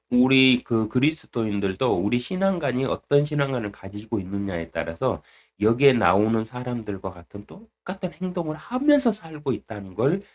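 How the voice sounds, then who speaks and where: A man preaching through a Bible study with a voice that swings widely up and down. His tone is blunt and colloquial, with some coarse words slipped in, and he acts out arguments in quick back-and-forth exchanges. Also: mid-range voice, darkish tone. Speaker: Bible teacher.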